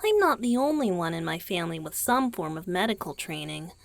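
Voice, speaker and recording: A woman voicing a gentle, teasing male vampire boyfriend in an intimate ASMR roleplay, speaking softly and patiently, often dropping toward a whisper, close to the microphone. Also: fairly low pitch, very animated, brisk, vocal fry. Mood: casual, reminiscing. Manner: soft, often whispered, patient explaining with small chuckles. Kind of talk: ASMR roleplay, intimate one-sided dialogue to the listener. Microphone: close, dry microphone.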